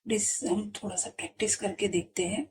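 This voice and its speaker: A woman voicing a timid young man in a storybook recap, speaking in a soft, hesitant, pleading way. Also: medium pitch, fairly even intonation, brisk, close to an everyday voice. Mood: shy pleading. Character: shy, timid young man who blushes easily.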